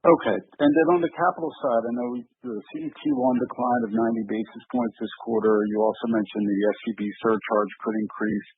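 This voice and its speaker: A man with a low, gravelly and husky voice, an analyst asking questions on an earnings call. He is polite and a bit hesitant, with fillers. The line is dry and thin, like a phone. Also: lively intonation, a little fast, few pauses, narrow, tinny audio.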